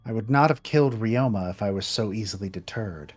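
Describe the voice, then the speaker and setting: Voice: medium pitch, a little fast, faint music behind, lightly acted. A streamer voicing a composed young maid, a woman desperate to survive, reading game dialogue with formal, stiff diction. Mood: resolute.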